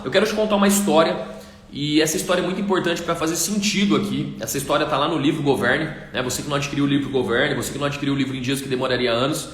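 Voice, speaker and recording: A man's voice: medium pitch, a bit bright. A male pastor giving an emphatic, repetitive sermon on a live stream, speaking directly to viewers. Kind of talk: livestream sermon. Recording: echoey room.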